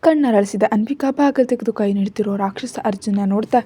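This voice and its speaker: A woman reading a story aloud as narrator, in a steady, even storytelling manner. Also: mid-range voice, quick pace, breathy edge.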